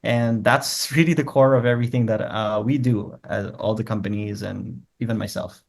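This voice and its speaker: A man's voice: fairly low pitch, steady tone, creaky. A man from Korea, a native Korean speaker, talking as a guest researcher in a conversational interview. He lays out his ideas point by point and keeps checking in with the listener. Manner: explains in numbered points, tags statements with quick checks.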